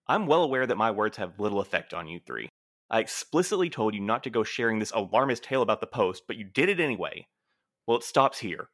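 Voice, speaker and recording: An actor playing a stern, dutiful postmaster in an audio drama, with a dramatic, formal, commanding manner. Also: male voice, fairly low pitch, animated, quick pace, fairly bright tone. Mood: stern, exasperated. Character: stern, dutiful, theatrical male postmaster of couriers.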